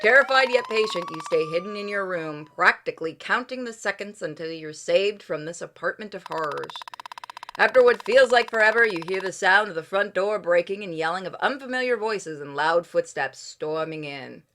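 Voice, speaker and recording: A woman hosting a gaming playthrough, switching between casual chat and expressive, theatrical read-aloud of the story text. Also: medium pitch, normal speed, slight background noise. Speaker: gaming video host reading game text aloud. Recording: music playing behind the voice.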